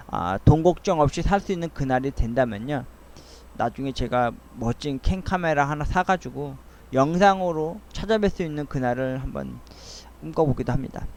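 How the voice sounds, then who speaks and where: A middle-aged man with a slightly high-set voice talks to himself in an essay-like ramble. He pauses often and sounds earnest and a little wistful, as the host of a solo monologue. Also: a little mellow. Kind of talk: rambling soliloquy, audio essay.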